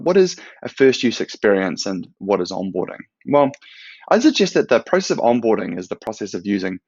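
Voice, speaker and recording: Man, thirties, New Zealand accent, low pitch, gravelly, measured explainer, dry close webcam mic, lo-fi. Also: a little mellow, dry recording. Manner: measured, explanatory, with some fillers. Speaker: product manager giving a talk. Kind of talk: recorded conference presentation. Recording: dull, slightly lo-fi sound.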